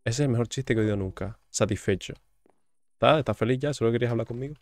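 Playing a video game on his YouTube channel, a Spain-accented man talks fast in a mid-range, darkish voice, joking around and reading out the in-game text. There's no room sound in this dry recording.

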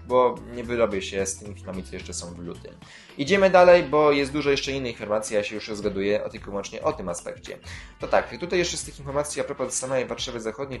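Rambling man with dry asides. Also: medium pitch. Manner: rambling, many filler sounds and self-corrections. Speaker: YouTube host covering city transit news. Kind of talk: casual news roundup.

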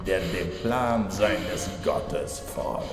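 An actor playing a grandiose, gloating mad cultist doctor with theatrical, menacing phrasing in a horror audio drama. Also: male voice, low-pitched, full character voice. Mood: smug, lecturing. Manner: theatrical, drawn-out menacing phrasing, swinging from whispers to shouted incantation. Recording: reverberant hall, music behind.

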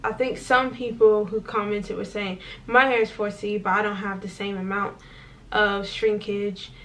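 Young woman, casual chatty vlog, lots of fillers, mic a bit far off, mid pitch. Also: level tone, moderate pace, a bit bright. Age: young adult. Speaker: vlogger. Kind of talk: casual chat. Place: small indoor room, white wall.

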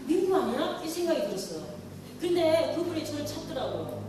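A Catholic nun lecturing to an audience, telling a story in an animated way and acting out quoted lines. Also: female voice, sits high, background noise. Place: lecture hall. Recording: echoey hall from far off.

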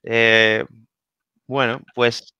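A man with a Spanish accent from Spain, giving language-learning tips in a casual online interview, lively and repeating himself for emphasis with frequent "¿vale?". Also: medium pitch, drawn-out words, smooth, no echo.

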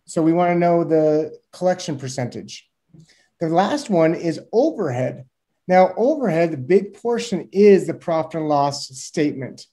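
A man's voice: on the high side, measured pace. A man in his thirties, a guest expert explaining things animatedly to a host over a video call from a small room. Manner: animated, gestures with hands, uses homely examples. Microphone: webcam on a video call.

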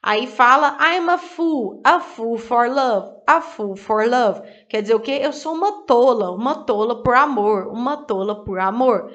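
A woman's voice: on the high side, expressive, unhurried, few pauses, fairly bright tone, lo-fi sound. A woman teaching English through song lyrics. She explains the lines word by word and repeats each phrase with its translation. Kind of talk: song-lyric language lesson.

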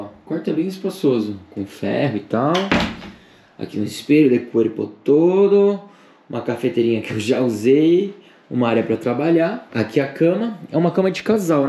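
A medium-pitched man in his thirties travel-vlogs casually to camera, holding it at arm's length as he shows a hotel room and then walks the waterfront. Chatty and animated, he points things out along the way, with a little hiss or hum audible.

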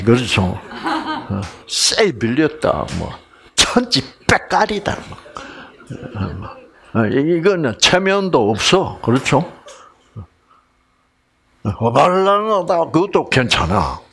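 A man's voice: mid-range voice, breathy edge. A middle-aged man giving a health lecture, asking his audience questions and joking with regional sayings.

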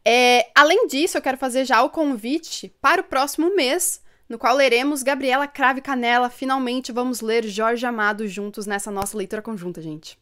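Upbeat young woman, smooth voice. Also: a little high, normal speed, hardly any pauses, a bit bright. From São Paulo state, Brazil. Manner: chatty and upbeat, laughs often, reads viewer comments aloud. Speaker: book channel host. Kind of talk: live stream chat with viewers. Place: home room with bookshelves, indoors. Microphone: desk microphone in front.

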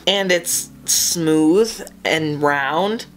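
A woman's voice: low voice, drawn-out words. A woman voicing a boastful, stubborn young male fish. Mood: flustered. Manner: boastful, defensive.

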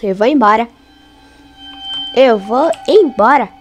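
A woman hosting a gaming channel, congested with a cold, chatting excitably to her viewers and squealing when startled. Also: fairly high pitch, takes it slowly, soft background music. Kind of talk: casual gameplay commentary.

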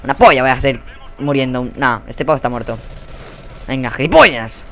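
A man's voice: medium pitch, animated, a little fast, a bit bright. A young man with a Spanish accent from Spain, giving live gameplay commentary with constant swearing and frustrated outbursts. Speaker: gaming YouTuber.

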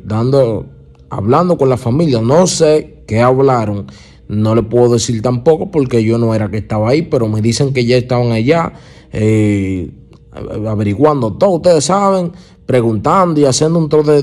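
A Dominican man presents urban music gossip for his online channel. His voice is mid-range and relaxed, with a dark, mellow tone. He talks in loose street slang, often halting and repeating words as he goes. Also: medium pitch. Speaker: YouTube channel host. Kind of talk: casual urban music gossip news commentary.

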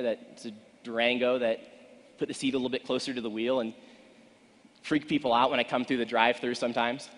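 A man in his twenties giving an earnest, emphatic motivational keynote speech to an audience, with deliberate pauses. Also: mid-range voice. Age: 20s. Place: large conference stage indoors, seated. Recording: echoey hall with long reverb.

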